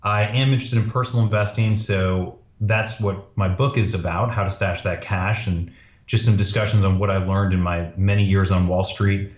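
A man's voice: low voice, steady tone, moderate pace. A man from Canada, a podcast guest giving casual, conversational answers about himself. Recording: roomy, slightly dull audio.

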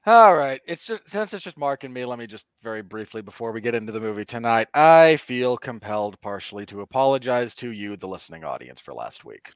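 A man hosting a film podcast, giving casual commentary in a wordy, deliberate, mock-formal manner. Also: mid-range voice, big pitch swings, clean tone, no echo, dull audio. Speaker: podcast host and film reviewer.

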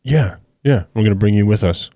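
Male podcast co-host, low and mellow, relaxed and agreeable. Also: dry recording. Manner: relaxed, agreeable, quick to chime in. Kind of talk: casual podcast chat.

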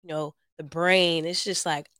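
A young adult woman co-hosting a casual podcast, her voice still a little hoarse while it comes back, relaxed and quick to laugh. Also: deep voice, dry recording, clean studio sound. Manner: relaxed, laughs easily, acts out quoted talk. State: recovering from lost voice, slightly hoarse. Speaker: podcast co-host. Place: Los Angeles.

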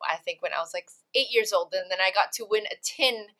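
A woman's voice: mid-range voice, a little fast, bright, forceful tone. A woman guest on a podcast interview, chatting about her career with frequent laughs and fillers. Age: adult, career of over two decades. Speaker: podcast guest, actress and TV host. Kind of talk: casual interview chat.

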